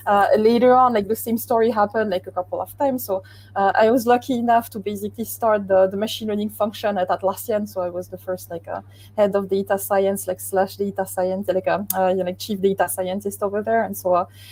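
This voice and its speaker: At a very fast pace, a woman talks with a French accent. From France. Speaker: tech startup founder and CEO. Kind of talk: interview.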